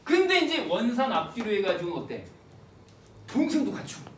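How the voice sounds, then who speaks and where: Lively lecturing teacher, colloquial, quizzes the class, distant mic, faint background noise. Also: medium pitch, fairly quick, reverberant. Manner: colloquial, quizzing students, repeating phrases. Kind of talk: exam prep literature lecture.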